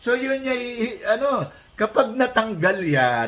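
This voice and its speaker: Moving at a fairly slow pace, a man talks with very wide pitch swings. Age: 60s. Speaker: wellness movement founder. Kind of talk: video conference meeting. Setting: video call. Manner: halting, frequent filler sounds.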